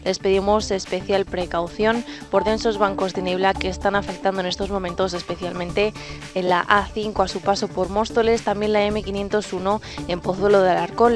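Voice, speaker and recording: A woman's voice: mid-range voice, fairly even intonation, brisk, over music. A woman reading a radio traffic bulletin in a clipped, listing manner. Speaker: traffic reporter.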